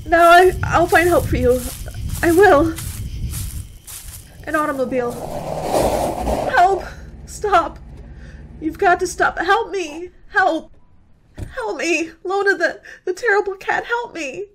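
A woman playing a hysterical young college girl in a radio horror drama, gasping out halting, repeated pleas for help. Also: very high-pitched. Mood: frantic. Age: young adult. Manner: frantic, gasping, halting and repetitive. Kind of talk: amateur radio horror acting. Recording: noisy home-recorded radio drama.

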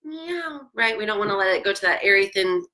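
A woman voice teacher leading a vocal warmup lesson, singing meows that climb higher and coaching in a chatty, encouraging way. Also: little pitch movement, fast talker, low-quality recording. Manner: demonstrates sung meows sliding ever higher.

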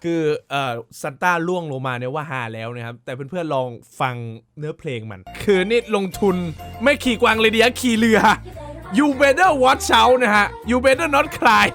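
A man's voice: on the high side, sing-song, fairly quick, hardly any pauses, a bit bright, soft background music. A male host casually reacting to viral clips, exclaiming often, swearing freely and laughing along.

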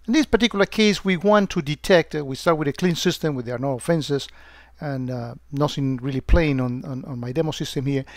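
A man narrates a screen-recorded software demonstration in a fairly high voice, stopping often to fill gaps with "uh." The sound is close and dry, with no room around it. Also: a little fast, no echo. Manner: hesitant, many fillers and restarts. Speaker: security software presenter.

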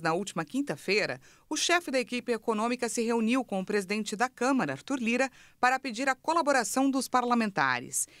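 A woman in her thirties, a news anchor, reading scripted news reports in a smooth, measured way. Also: on the high side, no echo.

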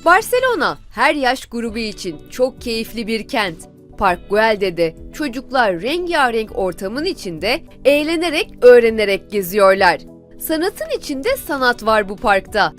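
A woman's voice: on the high side, big pitch swings, unhurried, soft background music. A woman hosting a travel show, guiding viewers through an outdoor park in an enthusiastic, chatty way. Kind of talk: travel show presenting, part narration.

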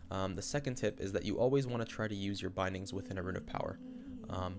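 A man's voice: low voice, creaky. A man with a cold, sounding a bit nasal, casually explaining a game tactic with lots of filler ums. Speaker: game guide streamer. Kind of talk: casual gameplay tutorial.

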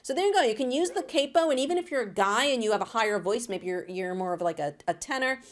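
A woman's voice: a little high, animated, fast. An upbeat, encouraging woman in her thirties with an alto voice, teaching a guitar lesson to camera in a home studio and singing along. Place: home studio room, indoors. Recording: acoustic guitar playing under the voice.

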